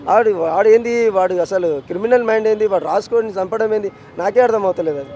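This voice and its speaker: A man's voice: high voice, brisk, mellow, faint music behind, rough recording. A middle-aged man with a Telangana Telugu accent, a bereaved father giving a street news interview, anguished and insistent as he repeats his demands. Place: outdoors on a city street.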